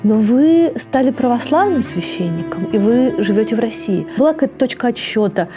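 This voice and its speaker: A woman's voice: fairly high pitch, expressive, brisk, over music. A woman hosting an interview who asks direct, curious questions in a conversational tone. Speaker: interview host.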